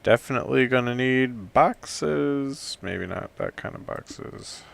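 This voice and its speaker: A man giving casual commentary while browsing, thinking aloud in an excitable way and often trailing off quietly. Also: medium pitch, takes it slowly, creaky. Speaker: hobbyist game developer. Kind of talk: casual screen-recording commentary.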